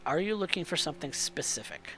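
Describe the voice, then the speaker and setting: A man narrating a tabletop roleplaying game as game master, improvising in a halting way. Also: a little high, expressive, music in the background.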